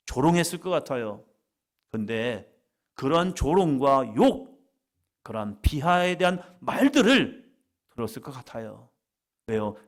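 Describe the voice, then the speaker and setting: A middle-aged man preaching a worship sermon, dramatic, swinging from loud cries to quiet asides and leading the congregation in call-and-response. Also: mid-range voice. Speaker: pastor. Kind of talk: lively evening worship sermon.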